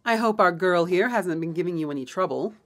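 An actress playing a curt, condescending middle-aged café boss in an audio drama, clipped and haughty. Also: female voice, fairly low pitch, animated, a little fast.

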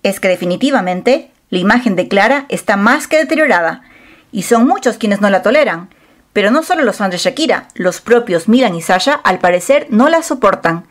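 A woman's voice: mid-range voice, animated, normal speed. A woman reading a scripted celebrity gossip news voice-over in a dramatic, storytelling manner on a close mic. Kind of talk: scripted narration.

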